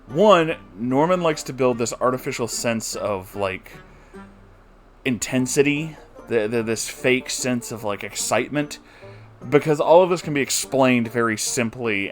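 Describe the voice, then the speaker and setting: A man's voice: medium pitch, a little slow, soft background music. A man hosting a story-reading channel, giving casual, sarcastic commentary on a book he finds stupid. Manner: sarcastic, exasperated critic.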